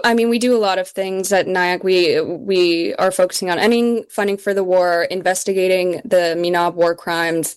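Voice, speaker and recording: A woman's voice: lowish voice, clear, resonant tone. A young woman from Minnesota, speaking earnestly as an interview guest, with frequent ums and restarts. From Minnesota, United States. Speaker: guest, communications director of an advocacy group. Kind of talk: interview conversation.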